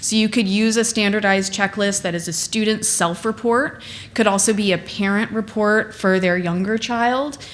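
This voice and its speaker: With noticeable background noise behind her, a woman with an American accent talks at a moderate pace, her medium pitch showing ordinary variation. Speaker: psychologist presenter. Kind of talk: conference talk.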